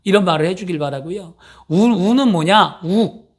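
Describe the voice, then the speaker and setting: A man with a high voice preaching a church sermon. He talks in an animated way and keeps putting rhetorical questions to his listeners. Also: moderate pace. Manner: animated, acts out quotes, asks rhetorical questions. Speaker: pastor.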